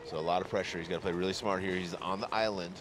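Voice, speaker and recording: Deep-voiced man analysing sport. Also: steady tone, very fast, noisy background. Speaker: color commentator. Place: outdoor paintball field.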